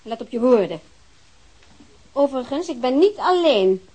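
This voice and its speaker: A woman's voice: high-pitched, very animated, measured pace, warm tone, heavily acted. An actress playing a haughty, aristocratic woman who speaks coldly and scornfully. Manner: cold, scornful, disdainful. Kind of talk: radio play acting.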